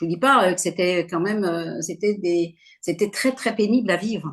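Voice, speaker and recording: Woman at a medium pitch with ordinary pitch variation. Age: 60s. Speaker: former shopkeeper sharing health testimony. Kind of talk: testimony. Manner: halting, many hesitations.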